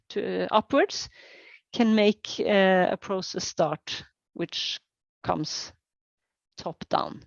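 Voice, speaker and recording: A woman's voice: medium pitch, no echo, dull audio. A woman, a director presenting in a webinar, speaking earnestly and searching for words. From Norway. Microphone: video call.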